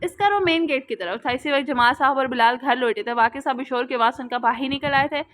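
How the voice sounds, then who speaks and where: A woman host reading a romance novel aloud in steady, dramatic storytelling. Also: high-pitched, quick pace.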